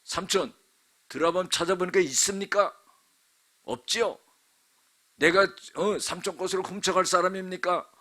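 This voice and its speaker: A male pastor acting out the biblical patriarch Jacob, protesting his innocence with loud rhetorical demands. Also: high-pitched, steady tone, normal speed, pauses often, voice pushed up. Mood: indignant. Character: indignant biblical patriarch Jacob, middle-aged man.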